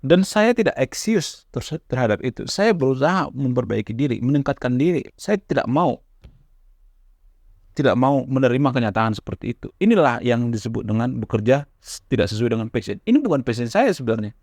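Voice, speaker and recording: A man's voice: medium pitch, sing-song, brisk, a little mellow, no echo, clean studio sound. A man talking casually to camera as a YouTube host, stammering now and then and restarting his words. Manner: stammers at times, restarts words, conversational fillers. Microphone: camera mic, close.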